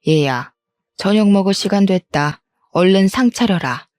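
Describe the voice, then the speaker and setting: A woman's voice: medium pitch, expressive, unhurried, a little mellow, no echo, natural voice. A woman voicing a nagging, scornful older mother-in-law who scolds sharply and talks down to her daughter-in-law. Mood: scolding. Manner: scolding, contemptuous.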